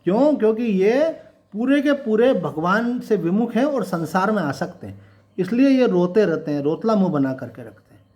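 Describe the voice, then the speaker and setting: Male swami, fairly high voice, chatty scripture sermon, asks the room questions, drawls out verses. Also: very animated, darkish tone. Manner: conversational, asks the listeners rhetorical questions; recites couplets slowly and drawn out. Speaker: swami giving a Gita discourse. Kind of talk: devotional sermon.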